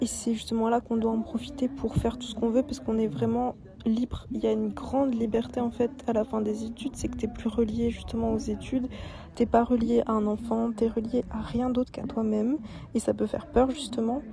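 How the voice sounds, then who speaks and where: Over noticeable background noise, a woman speaks at a fairly quick pace, fairly high in pitch, with monotone, flat intonation. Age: 20s. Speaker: listener, recent communications graduate. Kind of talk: voice message testimony.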